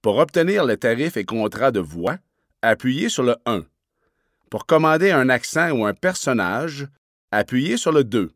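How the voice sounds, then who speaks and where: A man's voice: medium pitch, sing-song, unhurried, dry recording, studio quality. A middle-aged man working as a voice actor, reading scripted narration.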